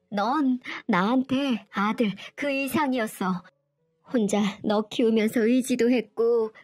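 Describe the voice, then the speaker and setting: A cruel older mother-in-law, put on by a woman storyteller, spitting out harsh, scornful scolding. The voice sits a little high, with faint music under the reading. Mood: pleading.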